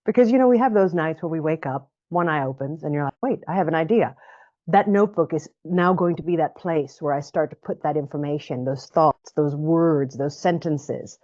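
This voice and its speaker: A woman with a fairly low voice talks reflectively as an interview guest. She picks up phrases and repeats them while she thinks. The sound is dull and lo-fi. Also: normal speed, few pauses, a little mellow. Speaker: guest speaker coach. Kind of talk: interview conversation. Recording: muffled lo-fi recording.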